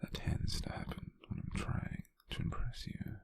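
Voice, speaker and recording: A British man plays a gentle, doting wizard sweetheart in an intimate ASMR roleplay, speaking in a breathy, husky near-whisper at normal speed. His lightly acted delivery is tender, hesitant and teasing, with an affectionate, earnest mood.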